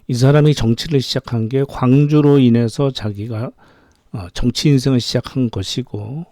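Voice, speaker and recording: A man's voice: medium pitch, dark tone, no room sound. A middle-aged man giving an opinionated political monologue as a commentator. He talks indignantly and keeps firing rhetorical questions.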